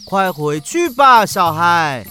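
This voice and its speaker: An actor playing a stern, forbidding tribal guardian who gives grave warnings in a children's audio drama. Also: male voice, high voice, very animated, slow, pushed and bright, faint music behind, heavily acted.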